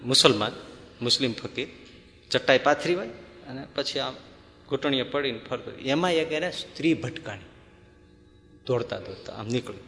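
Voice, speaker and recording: A man giving a devotional talk, telling a parable and acting out its characters' dialogue in an animated way. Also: medium pitch, normal speed, pauses often. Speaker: spiritual discourse speaker. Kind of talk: devotional storytelling sermon. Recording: long hall reverb.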